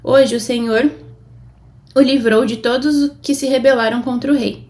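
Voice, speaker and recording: Reading from the Bible, a woman speaks with a Brazilian Portuguese accent, a highish pitch, and a normal pace. She keeps an even delivery, raising it whenever she reaches quoted speech.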